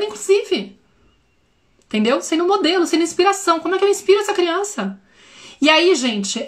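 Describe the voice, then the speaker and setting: A woman's voice: high voice, fairly bright tone. A woman in her thirties, a parenting educator hosting a live stream, talking casually and expressively and often turning to her viewers.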